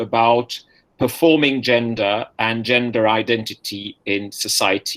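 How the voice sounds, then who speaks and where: A man with a French accent talks at a medium pitch. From France. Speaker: professor. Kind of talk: lecture.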